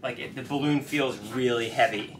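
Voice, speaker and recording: A man's voice: mid-range voice, fairly even intonation, moderate pace, noisy background. An American man in his thirties explaining science casually and with enthusiasm. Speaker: science presenter. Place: small cluttered workshop, indoors.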